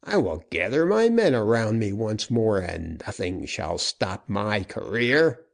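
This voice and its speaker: Guy reading vengeful outlaw captain, snarly threats, slow drawl, swings all over. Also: fairly low pitch, big pitch swings, vocal fry, heavily acted.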